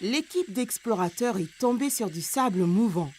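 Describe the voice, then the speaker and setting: A woman narrating a children's cartoon in a gentle, even storytelling manner. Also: medium pitch, moderate pace. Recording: narration over loud cartoon music.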